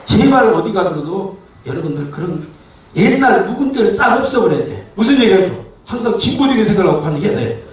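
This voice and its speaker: A brash, profane man works a live crowd in a high, swooping voice, breaking into laughter and barking at stagehands. The sound comes from a camera far off in a very echoey hall, with a faint noisy haze behind it. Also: sing-song, a little fast. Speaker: pumba street-comedy performer. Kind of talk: live stage banter with audience.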